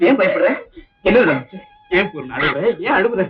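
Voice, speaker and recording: A high, very lively male voice, a worried husband coaxing and calming his wife with soothing words. The film soundtrack is dull and muffled. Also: a little fast, a crowd in the background. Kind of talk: 1960s film melodrama.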